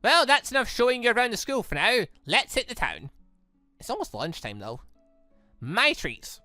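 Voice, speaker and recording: A man's voice: extremely high pitch, big pitch swings, moderate pace, sharp tone, dry recording, soft background music, pitched above the performer's own voice, heavily acted. A man voicing a playful, cheeky young female student tour guide in a visual novel. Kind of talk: visual novel dialogue read aloud.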